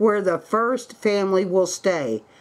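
Speaking at a very slow pace, a woman keeps her voice at medium pitch. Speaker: video blogger. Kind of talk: angry rant. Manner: sarcastic, indignant; animated.

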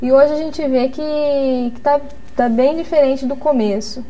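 A woman speaks in a high pitch with fairly even intonation. Light background noise can be heard. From Leme, São Paulo state, Brazil; São Paulo, Brazil. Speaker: municipal guard officer. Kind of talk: TV interview. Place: studio.

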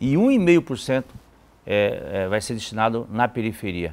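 This man has a normal speaking voice, medium in pitch, at a fairly slow pace. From São Paulo periphery, Brazil (early childhood in rural Paraná); São Paulo state, Brazil. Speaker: mayoral candidate, politician; candidate. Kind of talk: campaign livestream interview. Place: studio. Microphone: lapel.

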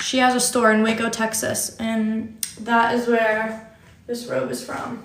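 A woman with an American accent speaks at a fairly high pitch in a monotone, flat way. Light background noise and audible room echo surround her voice. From Indiana. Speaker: lifestyle livestreamer. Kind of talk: casual livestream Q&A while doing makeup. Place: home room. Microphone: phone near.

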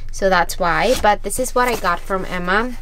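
Over light background noise, the speech has fairly even intonation and a dry sound with no echo. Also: woman. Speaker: vlogger. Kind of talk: casual vlog chat. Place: home room. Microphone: phone near.

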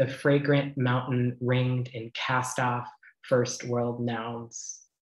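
Monotone, flat delivery from a man at a very slow pace, with audible room echo over a quiet background. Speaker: poet. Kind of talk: reading aloud. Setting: video call. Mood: calm, soft, grateful. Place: home room. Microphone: webcam.

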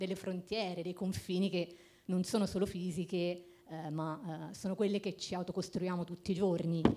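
Fairly even intonation carried by a woman's dark, mellow tone. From Florence, Italy; Tuscany, Italy. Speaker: award-winning screenwriter; speaker. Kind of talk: acceptance speech. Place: hall. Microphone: handheld.

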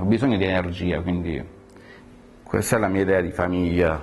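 A man at a fairly quick pace, with light background noise. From Sicily (Palermo); Sicily. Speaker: visual artist; interviewee. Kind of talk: interview monologue; interview answer. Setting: artist's studio. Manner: halting, frequent word repetitions. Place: workshop. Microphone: lapel.

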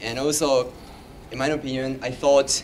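A man talks at a fairly quick pace with a Japanese accent. Light background noise can be heard. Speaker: exchange student. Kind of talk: group discussion.

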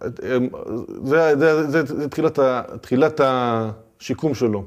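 The background is quiet. The pitch varies in an ordinary way. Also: man. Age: 40s. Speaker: father recounting a rocket attack; interviewee. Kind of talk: testimony. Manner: halting. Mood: emotional, reflective storytelling. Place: studio.

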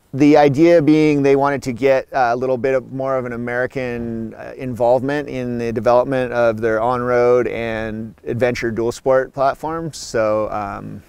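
This man talks at a moderate pace with fairly even intonation and hardly any pauses, in a dry recording with no echo. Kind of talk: interview answer. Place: open country.

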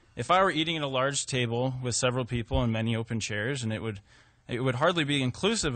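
Speaking at a fairly quick pace with an American accent, the voice comes through against a quiet background. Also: man. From Moscow, Idaho, US; Idaho. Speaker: resident giving public comment. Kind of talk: public comment at city council meeting. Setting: city council meeting. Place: hall. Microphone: podium.

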